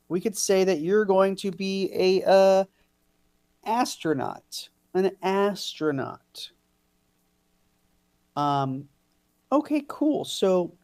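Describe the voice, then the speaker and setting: A man hosting improv games, hesitant and full of drawn-out fillers. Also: fairly high pitch, a little mellow. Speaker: host.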